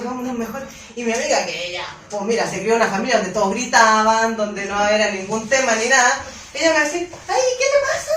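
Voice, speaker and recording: A woman coach and emotional therapist giving a conference lecture, animated, often stumbling and repeating words as she explains. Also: a little high, slight background noise. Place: conference hall. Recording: roomy echo, mic from far off.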